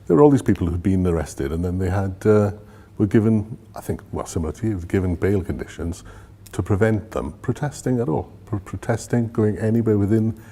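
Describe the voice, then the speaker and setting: A man in his sixties, a former police officer, speaking to an interviewer in a measured, firm way. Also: low-pitched, mellow. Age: 60s. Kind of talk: documentary interview.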